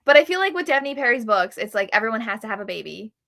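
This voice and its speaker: Bright, high-voiced woman chatting about books. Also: very animated, quick pace, creaky. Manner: heavy use of "like". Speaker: co-host of a book club readalong. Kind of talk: casual book chat, live show.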